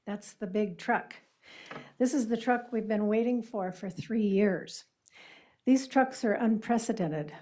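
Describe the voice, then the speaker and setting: A woman's voice: medium pitch, mellow. A woman giving emphatic, prepared public testimony at a school board meeting. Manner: earnest, emphatic, reading prepared remarks.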